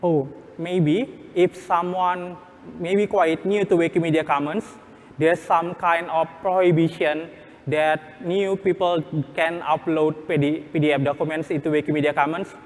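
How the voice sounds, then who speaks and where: High-voiced man teaching in an echoey hall. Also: fairly even intonation. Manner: halting, repeats phrases. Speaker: workshop presenter. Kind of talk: live hands-on tutorial, step-by-step instructions. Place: workshop room at a conference. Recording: echoey hall, background room noise.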